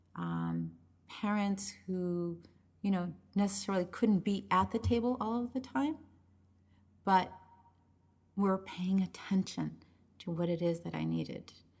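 A woman of medium pitch speaks at a fairly slow pace with fairly even intonation. She leaves long, frequent pauses. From US, Miami, Cuban-American family. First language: Spanish. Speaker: clinical psychologist. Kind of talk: interview.

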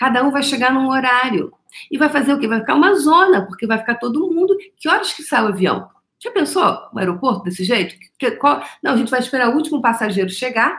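Very wide pitch swings in a high-pitched female voice. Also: fairly quick pace. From Rio Grande do Sul, Brazil. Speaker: energy coach and live-stream host. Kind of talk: live-stream coaching talk. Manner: animated.

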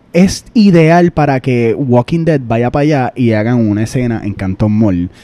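Over a dry, close sound with no echo, a man with a dark, mellow tone speaks at a fairly slow pace with very wide pitch swings. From Puerto Rico, San Juan metro area. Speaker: podcast co-host. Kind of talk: casual chat. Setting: live-streamed studio recording. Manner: animated.

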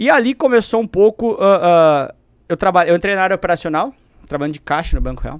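A man talks at a fairly quick pace with a high pitch. His intonation is lively, and the sound is dry and close with no echo. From southern Brazil, Porto Alegre. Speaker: finance certification teacher. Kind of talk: casual interview.

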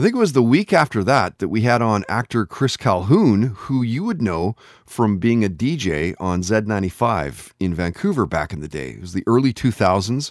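A man has a plain, everyday voice, fairly low in pitch, with lively intonation at a moderate pace. The recording is very clean with a silent background and a dry, close sound with no echo. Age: 40s. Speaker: podcast host. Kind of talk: scripted narration.

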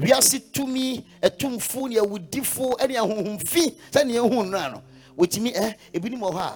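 Against noticeable background noise, a man with an extremely high pitch speaks in an animated tone at a moderate pace with ordinary pitch variation. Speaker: pastor. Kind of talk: sermon. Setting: outdoor church crusade.

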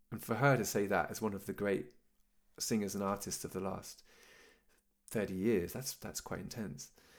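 A British-accented man speaks at a moderate pace with a fairly low pitch, ordinary pitch variation and long, frequent pauses, on a very clean recording with a silent background. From UK. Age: 40s. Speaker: singer-songwriter. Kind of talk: interview. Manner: halting, many fillers.

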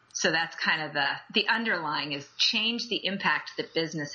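At a moderate pace, a woman with a plain, everyday voice speaks at fairly low pitch with ordinary pitch variation. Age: 50s. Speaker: entrepreneur. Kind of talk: interview. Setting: in person, sitting together.

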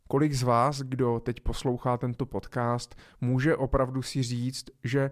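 On a very clean recording with a silent background, a man speaks at a fairly slow pace and medium pitch in a monotone, flat delivery. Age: 30s. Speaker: financial advisor. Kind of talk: podcast monologue.

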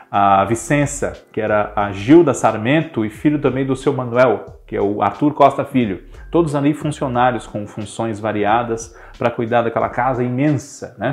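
Music plays in the background while a man speaks at a moderate pace. His pitch is medium, with ordinary variation. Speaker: YouTube channel presenter on TV history. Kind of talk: solo presentation video. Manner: frequent fillers like né.

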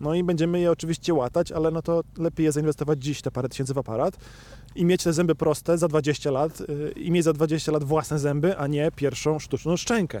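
A man's fairly high-pitched, plain, everyday voice at a fairly quick pace. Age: 30s. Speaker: survival instructor and YouTuber. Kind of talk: casual interview. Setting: earth shelter by a campfire.

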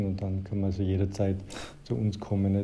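A man's voice with audible room echo. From Germany and Austria. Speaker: honorary consul. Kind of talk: interview.

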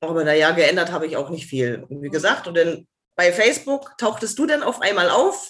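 Her pitch fairly low for a woman, she speaks at a moderate pace with very wide pitch swings. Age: 40s. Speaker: former smoker, coaching client. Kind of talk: interview.

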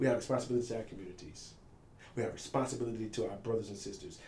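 In an American accent, a man speaks at a very fast pace with a somewhat breathy, dark, mellow tone. His pitch is medium, with ordinary variation. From US South, Brunswick, Georgia. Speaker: faith podcast host. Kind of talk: sermon-style podcast monologue. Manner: animated, repetitive emphasis.

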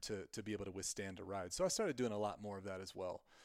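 The recording is very clean against a silent background. In it, a man with a fairly low voice talks at a fairly quick clip. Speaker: fitness coach and podcast host. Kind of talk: solo podcast monologue. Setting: home recording alcove on a ranch. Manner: casual, with many fillers and repetitions.

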